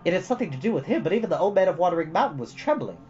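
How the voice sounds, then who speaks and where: A man reading a storybook aloud as host, with expressive narration and the odd casual aside. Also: sits high, very fast, lo-fi sound, faint music behind.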